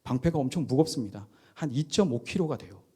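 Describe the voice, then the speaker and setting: A middle-aged man, a pastor, preaching by telling a personal story with lively, chuckling delivery. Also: mid-range voice, fast, husky.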